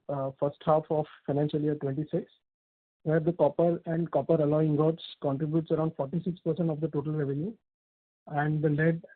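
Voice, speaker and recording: Indian man, higher-pitched, flat delivery, phone line. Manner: formal, recites figures. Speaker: company finance executive. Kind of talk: prepared financial presentation on an earnings call. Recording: muffled, phone-like conference line.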